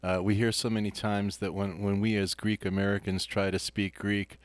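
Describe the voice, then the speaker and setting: A man's voice: fairly low pitch, level tone, moderate pace, no echo. A man hosting a live radio interview in a studio, chatty, with many fillers and restarts. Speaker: radio host.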